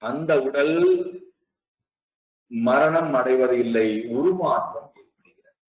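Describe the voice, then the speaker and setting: Slow, deliberate man teaching in an echoey hall. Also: medium pitch. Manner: slow, deliberate, repeats rhetorical questions. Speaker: spiritual teacher. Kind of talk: spiritual discourse. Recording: echoey, distant, dull lo-fi sound.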